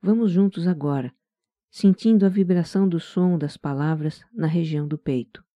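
A Brazilian-accented voice leads a guided meditation with a very dark, velvety tone. The delivery is gentle, calm and soft-spoken, like scripted relaxation narration. The sound is close and dry, with no room around it. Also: mid-range voice, moderate pace, dry recording, highs cut off.

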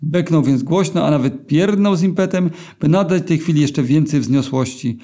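A man reading his own short story aloud in a deadpan way, with filler hesitations. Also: a little high, moderate pace. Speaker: narrator.

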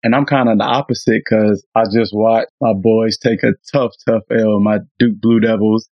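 A man co-hosting a podcast, voice raspy after the flu, speaking in an earnest, reflective casual chat. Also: on the low side, fairly even intonation, moderate pace, no echo, highs cut off. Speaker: podcast co-host and audio engineer.

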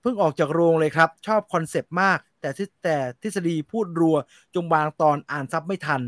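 Male film-show host, high voice, animated and blunt, dry sound. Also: brisk, no room sound. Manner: animated, slangy and blunt, reads viewer comments. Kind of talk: casual film review chat.

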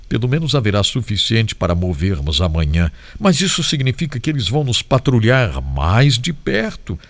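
Man reading a memoir with lively pitch. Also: no echo. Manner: dramatic, varied, slows for solemn moments. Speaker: devotional reader. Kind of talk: expressive reading of a first-person memoir.

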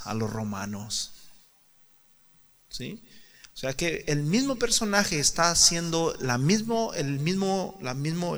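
A man preaching a sermon emphatically, asking rhetorical questions and swinging from quiet talk to shouts. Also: fairly high pitch. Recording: reverberant hall.

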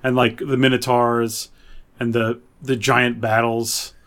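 A man's voice: medium pitch, level tone, takes it slowly, fairly bright tone. Enthusiastic man chatting casually on a podcast. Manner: enthusiastic fan talk, thinking aloud. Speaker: podcast co-host. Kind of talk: casual pop-culture podcast chat.

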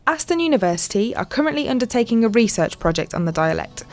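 A woman with a slight Black Country accent, presenting and narrating a documentary in a clear, measured way. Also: a little high, sing-song, a little mellow, faint music behind.

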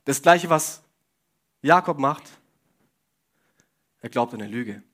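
A man's voice: mid-range voice, lively intonation, slow pace, fairly bright tone. A young man giving a casual sermon, speaking straight to the congregation with questions and joking asides. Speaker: preacher.

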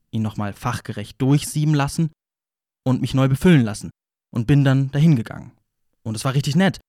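A man's voice: mid-range voice, darkish tone, dry recording, clean studio sound, natural voice. A man playing a wry, wounded narrator who confesses in a rambling, repetitive way, in an audio play monologue. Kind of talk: audio play monologue, ironic first-person storytelling.

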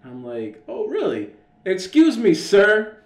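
Animated American man telling stories, echoey room. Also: high voice, slow pace. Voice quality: loud, carrying voice. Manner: animated, profane, acts out reported dialogue. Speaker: podcast co-host. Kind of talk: casual storytelling banter.

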